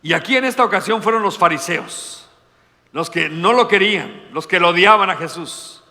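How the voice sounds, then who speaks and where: A male pastor preaching a sermon, swinging between loud emphatic lines and hushed, slow ones. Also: sits high, big-room sound.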